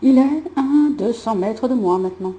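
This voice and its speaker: A woman playing a male actor at a sound test, reading his film lines in a slow, flat monotone. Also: on the high side, voice pushed down, natural voice.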